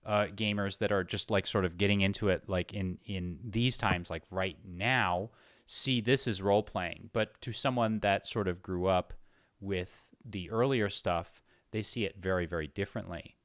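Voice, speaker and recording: Low-pitched man hosting, dry sound. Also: steady tone, fairly bright tone, dry recording. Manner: halting, informal, rambling questions. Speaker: interviewer, channel host. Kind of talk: casual chat.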